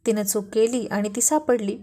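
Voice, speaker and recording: A woman's voice: fairly high pitch, normal speed, warm tone, close to an everyday voice. A woman voicing a clever, affectionate young wife who speaks with confidence in a read-aloud love story. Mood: knowing. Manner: confident, teasing. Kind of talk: storybook reading.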